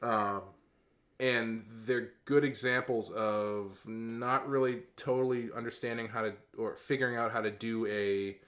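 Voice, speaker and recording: A man co-hosting a podcast in casual chat, talking in a relaxed, hesitant way with many restarts. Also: medium pitch, measured pace. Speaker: co-host.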